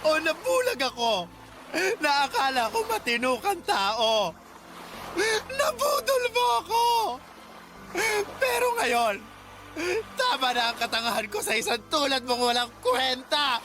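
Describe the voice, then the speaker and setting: A man's voice: very animated, unhurried, noisy background, full character voice. A man with a Filipino accent playing an enraged, betrayed gay adoptive mother in a melodramatic radio drama, wailing accusations. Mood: bitter, furious. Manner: melodramatic, shrill, wailing outbursts. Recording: loud music under the voice. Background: loud dramatic music.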